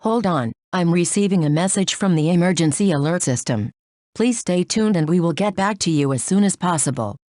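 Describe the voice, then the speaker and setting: Low-pitched woman presenting radio weather. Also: lively intonation, brisk, darkish tone. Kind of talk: scripted radio weather update.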